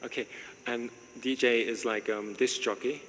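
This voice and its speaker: A man's voice: mid-range voice, steady tone, moderate pace, a bit bright, slight background noise. A man, a monk welcoming visitors to his monastery, talking casually, joking and chuckling often as he asks questions. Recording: reverberant space with faint ambience.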